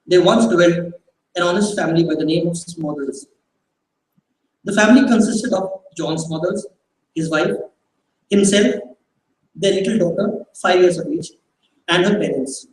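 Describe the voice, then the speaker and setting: A man's voice: high-pitched, a little mellow, slight background noise. A man reading a short story aloud to a live audience, hesitant and prone to restarts. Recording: echoey hall, from far off.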